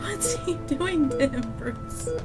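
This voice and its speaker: A traumatised young woman played by an actress in a radio drama, very high in pitch. She speaks very slowly in tearful, broken, stammered phrases over music. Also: big pitch swings, full character voice. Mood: distraught. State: crying, shaken. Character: traumatised young woman, injured daughter of police chief. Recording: music under the voice.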